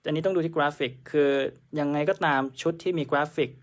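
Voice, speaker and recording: A man's voice: on the high side, quick pace. A man teaching a live-streamed exam prep lesson, chatting through answers and mixing English terms into his explanations.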